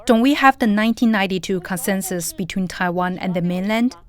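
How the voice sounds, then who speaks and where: A woman reading an English voice-over translation with a steady, even delivery. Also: mid-range voice, brisk. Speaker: interpreter voice-over.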